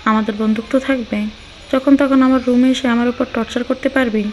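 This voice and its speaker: A bossy, teasing young husband from an audio storybook, brusque and scolding in his talk, as a woman reads him in a slightly high voice. A faint hiss sits under the reading. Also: fairly even intonation, fairly quick, a little mellow, natural voice, low-quality recording. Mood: pressing. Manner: brusque scolding, then earnest pleading.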